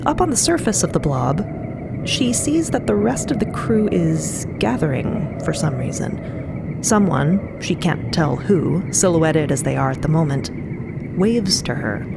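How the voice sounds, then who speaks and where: Slow, low-voiced woman narrating over loud rumble. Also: creaky. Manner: deliberate, wry conversational asides. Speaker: podcast narrator. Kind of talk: dramatic scripted storytelling narration.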